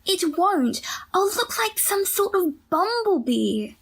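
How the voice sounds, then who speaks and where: A woman's voice: very high voice, sing-song, slow, heavily acted. A woman playing an irritable, gloomy young woman in an audio drama, terse and sardonic. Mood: glum.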